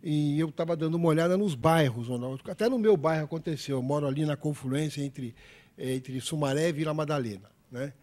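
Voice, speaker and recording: A man's voice: fairly high pitch, fairly quick, darkish tone. A man speaking as a sociologist guest on a studio panel talk show, methodical and argumentative. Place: studio table.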